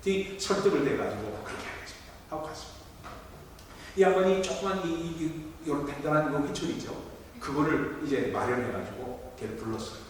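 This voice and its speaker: A middle-aged man preaching a sermon, telling a story and acting out its voices with sudden loud peaks. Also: on the high side, animated, brisk, slight background noise. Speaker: pastor. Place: large church sanctuary. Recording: echoey hall from far off.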